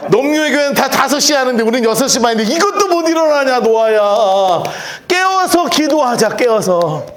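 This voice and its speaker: A man preaching with a strikingly high voice that leaps up and down. He acts out scenes, jokes with the congregation and spurs it on. The sermon feels lively and theatrical. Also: fast, a little hiss or hum. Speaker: pastor.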